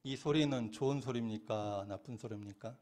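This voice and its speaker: A man's voice: mid-range voice, a little fast, heavy background noise. Man preaching, quizzing his congregation. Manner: asks questions and answers them himself, laughing now and then. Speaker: Won Buddhist minister. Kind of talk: sermon with questions to the congregation.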